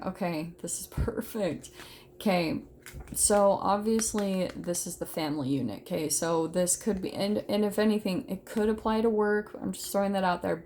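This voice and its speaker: Woman, slightly low voice, casual tarot reader, direct and informal, some background noise. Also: darkish tone. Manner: informal, emphatic, direct, peppered with "like" and "straight up". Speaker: tarot reader, host of an online reading. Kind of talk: casual unscripted tarot reading addressed to viewers.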